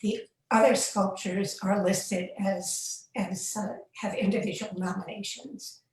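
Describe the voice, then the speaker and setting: A woman with a mid-range voice explains her research plainly, with frequent pauses. She sounds distant from the mic, in a very echoey room. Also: medium pitch, fairly even intonation, darkish tone. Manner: explanatory, with fillers. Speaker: panelist, historic preservation researcher. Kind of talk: panel discussion.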